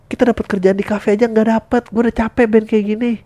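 A man's voice: high-pitched, flat delivery, fast talker, warm tone, no room sound, pitched above the performer's own voice, lightly acted. A man voicing a frustrated young male band member who complains and nags. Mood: fed up. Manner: complaining, exasperated.

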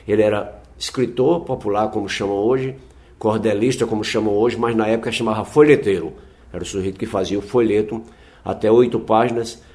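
A man's voice: on the low side, a little mellow. A man, a folk singer-poet, speaking in a reflective interview and explaining things patiently with frequent tag questions.

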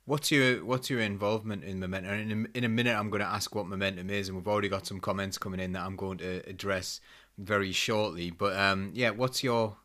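A man's voice: on the low side, steady tone, fairly quick, sharp tone. A man hosting a live talk show in a casual, rambling, self-deprecating way. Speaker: host.

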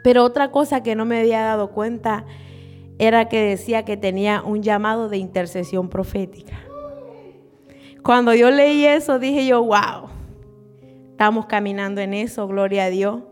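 A young woman from Honduras delivers a church sermon with earnest, slightly nervous energy. Her voice sits a little high, with soft music playing faintly underneath. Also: normal speed. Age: 20s. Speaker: church speaker. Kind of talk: sermon and prayer.

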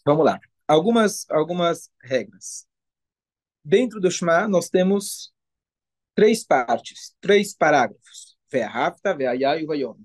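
A man, a rabbi, giving a casual religious lesson, explaining rules in a relaxed, conversational way with humorous asides. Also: fairly high pitch, takes it slowly.

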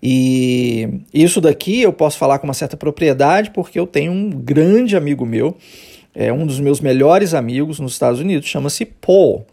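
A man's voice: on the high side, animated, gravelly, mellow, slightly rough. A Brazilian man with a Brazilian Portuguese accent, teaching English in a podcast lesson, explaining patiently with many "né" and "tá" fillers. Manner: explains patiently, models English phrases slowly for repetition; frequent fillers like "né" and "tá".

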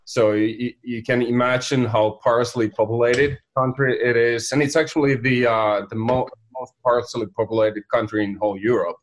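A middle-aged man from Finland with a Finnish accent, a company founder talking casually as an interview guest, pausing often with many fillers. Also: mid-range voice, flat delivery. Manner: halting, many fillers and restarts.

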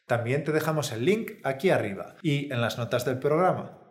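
A man, explaining a language lesson in a calm, scripted podcast style. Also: medium pitch, moderate pace. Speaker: Spanish teacher. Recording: roomy echo.

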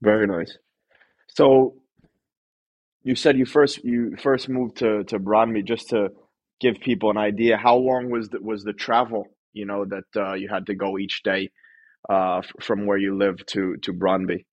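A man's voice: on the low side, fairly even intonation, a little slow, lo-fi sound. A man hosting a podcast interview, asking rambling questions with lots of fillers and restarts. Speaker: podcast host.

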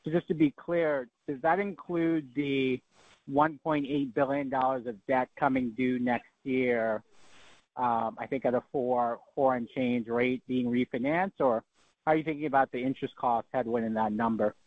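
A man's voice: mid-range voice, steady tone, moderate pace, no room sound. Man on a tinny, dry phone line. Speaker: analyst asking questions. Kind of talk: unscripted question on earnings call. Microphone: telephone.

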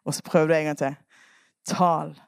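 A woman preacher retelling a Bible story in a lively sermon, coaxing her listeners to act out the parts. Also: medium pitch, no room sound, clean studio sound.

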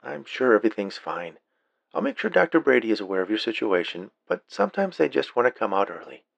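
A man voicing a calm, businesslike female midwife with soft, steady, reassuring delivery in an audiobook. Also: fairly low pitch, fast, gravelly, dull audio, full character voice. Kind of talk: audiobook character dialogue.

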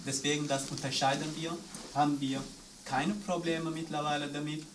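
A man's voice: on the high side, little pitch movement, normal speed. A man from Eritrea, whose first language is an Eritrean language, earnestly telling of raising his son while searching for words. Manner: earnest, searching for words in non-native German. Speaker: discussion participant, father. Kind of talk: personal account in a discussion round. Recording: distant mic with faint room noise.

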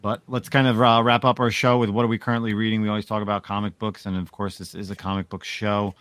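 A man hosting a comic book podcast, telling a story in a casual, animated way. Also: lowish voice, quick pace, clear, resonant tone, no echo. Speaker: podcast host. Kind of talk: casual chat.

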